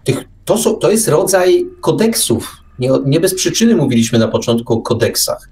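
A man's voice: a little high, big pitch swings, moderate pace, a little mellow. A man hosting an unscripted radio discussion, digressing and often restarting his phrases. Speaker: radio show host and book enthusiast. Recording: distant mic with faint background noise.

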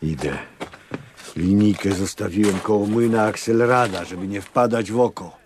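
An actor in a radio play playing an elderly Catholic priest, gruff and impatient yet protective, speaking in a brusque, insistent, weary manner. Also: male voice, on the low side, normal speed, noisy background, lightly acted. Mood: urgent, insistent. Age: older. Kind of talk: radio drama acting.

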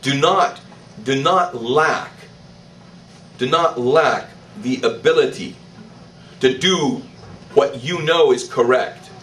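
An older man, a priest, preaching a sermon in church, slow and emphatic, with declarations that rise in pitch. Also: fairly bright tone, recorded from a distance, a little hiss or hum, poor audio. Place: church, indoors. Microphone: stand mic in front.

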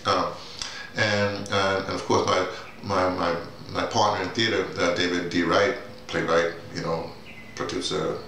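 A man in his sixties talking casually and haltingly to camera, repeating words and wandering off on asides. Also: deep voice, level tone, bright, forceful tone. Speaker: playwright and audio drama teacher. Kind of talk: casual rambling monologue to camera. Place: small bare-walled room indoors. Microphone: camera mic a few feet away. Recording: very echoey room, distant mic, faint hiss.

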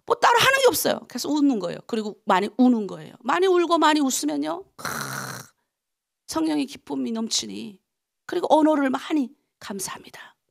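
A middle-aged woman pastor from North Korea preaching an animated dawn prayer sermon, asking her congregation rhetorical questions. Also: sits high, brisk, gravelly.

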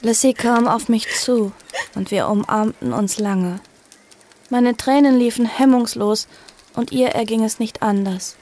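A woman's voice: on the high side, unhurried, a little mellow. A woman playing an earnest fifteen-year-old niece who also narrates her story in an audio drama. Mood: earnest narration. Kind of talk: audio drama acting and first-person narration.

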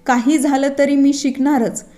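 A woman voicing a shy, timid middle-aged housewife who speaks in a halting, hesitant way. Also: high-pitched, steady tone, mellow, close to an everyday voice. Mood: determined.

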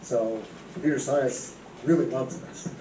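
Flat-voiced man in his fifties explaining. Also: mid-range voice, takes it slowly. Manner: steady, explanatory, with "you know" fillers. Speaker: guest lecturer. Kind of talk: explanatory talk. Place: university seminar room. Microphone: handheld mic. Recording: echoey room from a distance, clear background noise.

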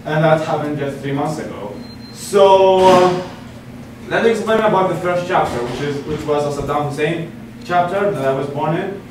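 A young man from Iraq lectures from a podium in a meeting room, his voice set a little high. He speaks earnestly and often restarts his phrases. He sounds distant from the mic, with heavy room echo and a steady hiss of noise behind him. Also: normal speed. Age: 20s. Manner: earnest, with frequent restarts and fillers. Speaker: guest speaker. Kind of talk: public lecture. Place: meeting room with a seated audience. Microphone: podium mic from far camera.

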